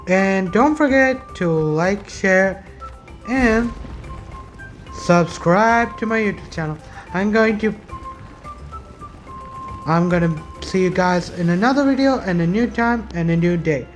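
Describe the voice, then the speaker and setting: A woman hosting a gaming video with casual, informal commentary in a halting delivery. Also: mid-range voice, faint music behind.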